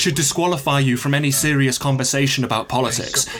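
A man's fairly high-pitched voice is heard with noticeable background noise. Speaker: podcast co-host. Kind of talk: casual political commentary on a live stream. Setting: live stream recorded, reacting to TV broadcast. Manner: animated, irritated, rant-like.

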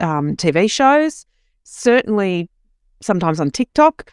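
A woman's fairly slow speech in an Australian accent, with very wide pitch swings, a dry, close sound with no echo and a quiet background. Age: middle-aged. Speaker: podcast host, buyer's agent. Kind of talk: casual interview.

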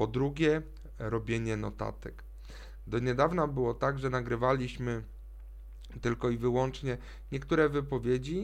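A man at a fairly slow pace. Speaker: podcast host on remote work. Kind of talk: solo explainer monologue. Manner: hesitant with fillers.

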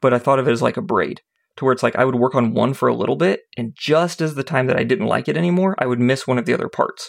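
Talking at a very fast pace with an American accent, a man with medium pitch, vocal fry and lively intonation comes through on a very clean recording with a silent background. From Indiana, US Midwest. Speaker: author and planner coach. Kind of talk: casual interview.

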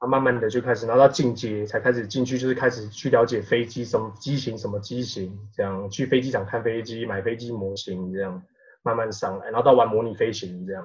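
With a Taiwanese accent, a man speaks somewhat breathily at a medium pitch and a fairly quick pace, with fairly even intonation and hardly any pauses. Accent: Taiwanese Mandarin. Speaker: flight instructor. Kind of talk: casual chat.

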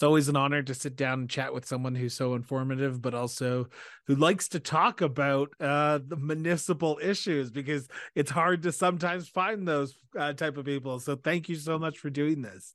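Against a quiet background, a man with a Canadian accent talks at a fairly quick pace. He has a normal speaking voice with a fairly high pitch and ordinary pitch variation. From Southern Ontario, Canada. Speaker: podcast host. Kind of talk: interview.

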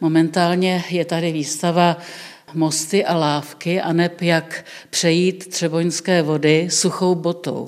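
Against noticeable background noise, a woman with a fairly low pitch speaks at a very slow pace in monotone, flat intonation. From South Bohemia, Milevsko. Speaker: retired archivist and museum volunteer. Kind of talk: casual interview and museum guided tour. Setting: town museum in old town hall.

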